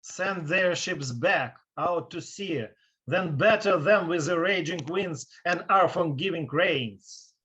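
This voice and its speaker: An actor playing a grave refugee in the chorus of a Greek tragedy, with a husky voice. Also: male voice, fairly high pitch, slow, pushed and bright, dull audio, heavily acted. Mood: grave, imploring. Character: grave suppliant chorus member fleeing persecution. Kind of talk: dramatic reading of Greek tragedy.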